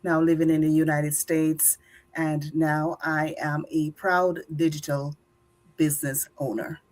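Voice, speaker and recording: A grandmother from Jamaica who works as a registered nurse introduces herself on an online panel. She speaks in a proud, measured way, with a lowish voice. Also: level tone, a little mellow. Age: older.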